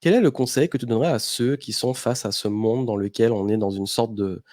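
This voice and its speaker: A man's voice: mid-range voice, brisk, darkish tone, no echo. Dry-sounding man hosting a podcast. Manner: curious, engaged questioning. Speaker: podcast host. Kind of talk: casual interview conversation.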